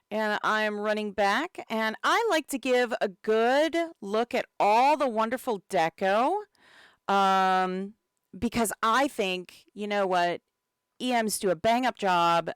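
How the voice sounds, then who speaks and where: Woman community manager with a cold, laid-back stream host, slow delivery, smooth tone. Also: fairly high pitch, no room sound, clean studio sound. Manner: chatty and relaxed, many fillers, greets chat. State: has a cold. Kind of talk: casual live-stream commentary.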